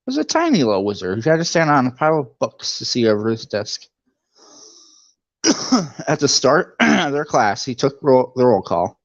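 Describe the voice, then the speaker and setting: A man's voice: mid-range voice, dry recording, dull audio. A man reading a book aloud for a live read-along, chatty, with jokey asides.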